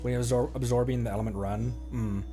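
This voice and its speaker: Halting male game streamer over music. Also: mid-range voice, fairly even intonation, warm tone. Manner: rambling, halting, self-interrupting. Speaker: game livestreamer. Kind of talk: casual gaming chat. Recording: music playing behind the voice.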